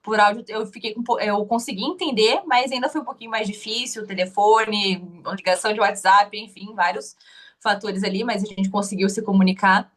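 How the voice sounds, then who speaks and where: A woman's voice: medium pitch, steady tone, fairly quick. A young woman with a Curitiba Brazilian Portuguese accent, telling her interview story casually, hesitant with many restarts.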